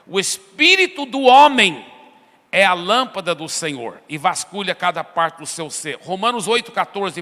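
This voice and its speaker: Male pastor, high bright voice, conversational sermon, church hall echo. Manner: conversational preaching, acts out prayers and dialogues. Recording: long hall reverb.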